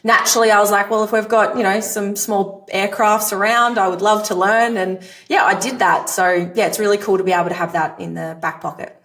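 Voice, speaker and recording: A woman's voice: mid-range voice, steady tone, a little fast, hardly any pauses, fairly bright tone, distant mic. A woman in her thirties from Australia with a rural Australian accent, a coach chatting as a podcast guest in an upbeat, explanatory way. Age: 30s. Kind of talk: podcast interview conversation.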